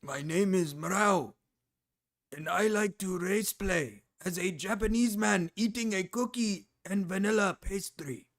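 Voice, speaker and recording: A man delivering a deliberate, drawn-out monologue, as if performing to camera. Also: high-pitched.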